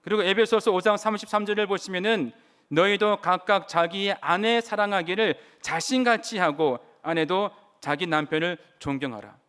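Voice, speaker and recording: Male preacher with a high, clear voice, giving an earnest sermon in a church sanctuary. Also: normal speed, a bit bright. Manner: earnest preaching, asks the congregation questions. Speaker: pastor.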